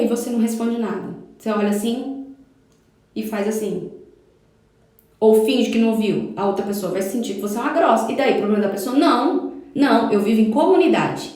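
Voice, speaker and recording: A woman's voice: on the high side, warm tone, recorded from a distance. Emphatic Brazilian woman in an echoey room. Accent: Brazilian Portuguese. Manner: emphatic, insistent, acts out little dialogues. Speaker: parental educator. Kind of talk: live-stream talk.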